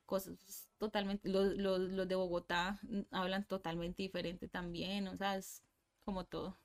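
A young woman with a Medellín Colombian Spanish accent speaks casually as a podcast guest, her voice medium in pitch and flat in delivery. She keeps a measured pace while rambling, full of fillers and restarts.

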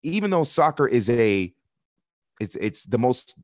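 A man from Miami who works as a soccer broadcaster, talking frankly on a podcast and pressing his points by repeating them. His voice sits at an ordinary middle pitch. The recording is dry, with no room sound. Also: very animated, unhurried, darkish tone, no echo. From Miami, United States. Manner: candid and earnest, builds points with repetition. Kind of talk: podcast interview.

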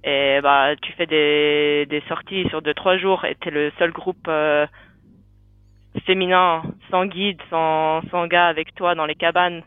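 A woman from Ontario, an English speaker with a slight English Canadian accent, chatting in French as a podcast guest in a relaxed manner. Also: deep voice, takes it slowly, clear, resonant tone, no room sound. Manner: relaxed, laughs easily. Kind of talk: casual podcast chat. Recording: tinny phone-like line, dry.

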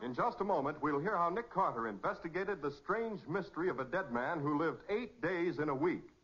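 A man's voice: fairly high pitch, lively intonation, brisk, fairly bright tone, faint music behind. An American man announcing and narrating in scripted 1940s radio style, dramatic and emphatic. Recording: muffled 1940s radio recording.

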